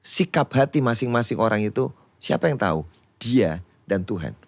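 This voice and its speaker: A man, a pastor teaching in a lively conversational way who acts out quoted voices. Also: fairly low pitch, moderate pace. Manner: animated, acts out quoted voices, repeats words when excited. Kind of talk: conversational teaching on a church talk show.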